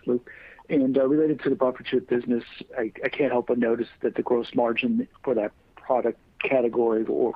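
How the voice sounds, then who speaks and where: A man asking questions as a financial analyst on an earnings call, polite and halting in his phrasing. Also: mid-range voice, slightly rough, no echo. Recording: tinny narrow phone line.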